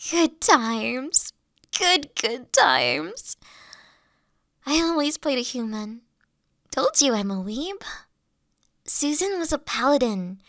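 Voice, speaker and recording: A woman plays a big young female dragon who is a bashful, self-deprecating nerd. Her voice is on the high side and she speaks slowly, in a halting, earnest way. It is an intimate roleplay audio, recorded very dry and close. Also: very animated, fairly bright tone, dry recording, full character voice. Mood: bashful, geeky. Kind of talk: intimate one-sided character audio roleplay.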